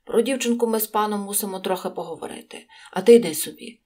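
A woman's voice: mid-range voice, quick pace, a little mellow, natural voice. Lady doing a sneaky innkeeper guy, fake nice, talking his way into money. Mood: commanding. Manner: cold, then falsely good-natured. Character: sly greedy innkeeper, middle-aged man.

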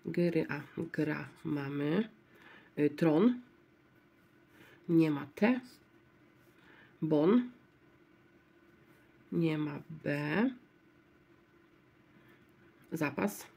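A woman casually commenting as she scratches word-game lottery tickets, spelling out letters one at a time in a low-key murmur. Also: drawn-out words, gravelly, pauses often, mellow, breathy edge. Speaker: lottery scratch-card vlogger.

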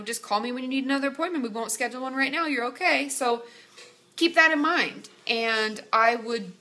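A young woman with a stuffed-up, nasal voice, bright and a little high, talking close to her webcam in a small room. She answers viewer questions in a chatty, direct way, steady and reassuring as she gives advice. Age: young adult. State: stuffy nose from a cold. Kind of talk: casual vlog Q&A. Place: small dim room indoors. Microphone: webcam at close range.

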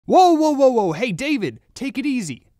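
A man's voice: very high-pitched, very animated, normal speed, noisy background. An actor playing a reckless, defensive young gunman in an amateur radio drama. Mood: panicked. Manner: defensive, pleading.

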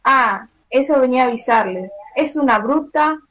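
A young woman plays a tattling, girlish Argentine daughter in a radio play. Her voice sits on the high side, with exclamatory delivery and dull, lo-fi sound. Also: normal speed, a bit bright. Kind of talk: school radio play acting. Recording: dull lo-fi home recording.

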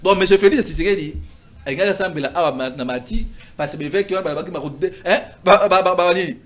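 A man's voice: sits high, fast talker. A man in his thirties arguing politics in a heated TV studio debate, gesturing a lot and stumbling over repeated syllables. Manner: animated, gesturing, stammering restarts. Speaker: political commentator. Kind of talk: heated talk-show debate. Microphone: lapel.

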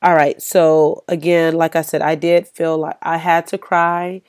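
A woman's voice: low-pitched, flat delivery, unhurried, darkish tone, clear, resonant tone. A woman hosting her own podcast, talking in an encouraging, conversational way with frequent ums, her voice stuffy from a cold. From United States. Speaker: podcast host. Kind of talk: solo podcast talk.

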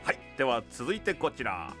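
A man's voice: mid-range voice, sing-song, moderate pace, fairly bright tone, soft background music. A young man hosting a radio show in a studio, playful and jokey, laughing often. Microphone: boom studio mic.

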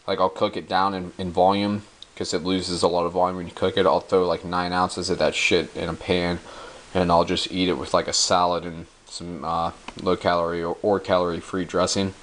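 Young man, very deep voice, laid-back slangy talk, handheld camera in a kitchen, crinkling bags up close. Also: level tone, moderate pace, fairly bright tone, a little hiss or hum. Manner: laid-back, slangy and profane, many ums and uhs. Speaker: bodybuilder vlogger. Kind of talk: casual grocery haul show-and-tell. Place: home kitchen, indoors. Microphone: handheld camera held close.

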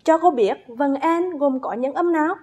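In a first-grade classroom, a woman teacher works through phonics, with careful, unhurried enunciation and long, drawn-out spelling drills for the children to read along with. Her voice sits high and has a warm tone.

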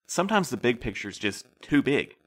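A man playing a calm, patient middle-aged postmaster who interviews new couriers, speaking gently and in a measured way. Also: mid-range voice, slight background noise. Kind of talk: audio drama acting.

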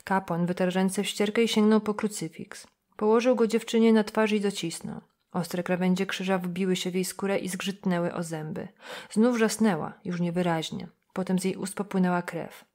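Kobieta czytająca powieść kryminalną. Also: female voice, mid-range voice. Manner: measured, even reading. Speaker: audiobook narrator. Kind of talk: scripted novel narration.

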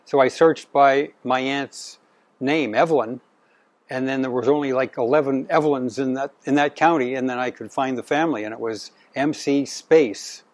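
A man from Canada adds to a genealogy talk in a relaxed, conversational way and describes his own searches through old records. His voice sits at a middle pitch and sounds dry and close. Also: normal speed, dry recording. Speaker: genealogy co-presenter. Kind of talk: informal presentation to a local society.

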